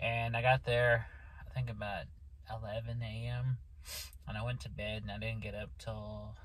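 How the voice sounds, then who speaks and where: The voice moves through very wide pitch swings at a moderate pace, with long, frequent pauses and audible room echo. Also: man, very deep, low pitch for a man. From Oklahoma. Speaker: vlogger. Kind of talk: casual vlog monologue. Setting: in a parked car at night. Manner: halting, many fillers and restarts.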